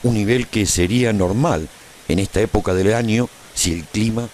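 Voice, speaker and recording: A man playing a post-apocalyptic traveller who narrates a scripted radio drama in a measured, solemn way. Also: lowish voice, darkish tone, a little hiss or hum, lightly acted. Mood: grave storytelling. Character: male post-apocalyptic traveller recounting a war story gravely.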